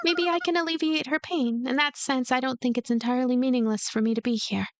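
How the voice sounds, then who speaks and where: Woman voicing a high-pitched, gentle ghost girl. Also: steady tone, quick pace, clear, resonant tone. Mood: gentle, earnest. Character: gentle, giggly, self-effacing ghost girl.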